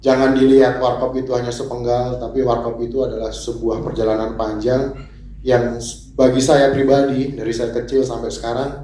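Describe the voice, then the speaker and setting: A man answering a press question deliberately, with hesitant fillers, in an echoey hall. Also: medium pitch, flat delivery, warm tone, a little hiss or hum. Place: press conference room. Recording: echoey hall, faint ambience.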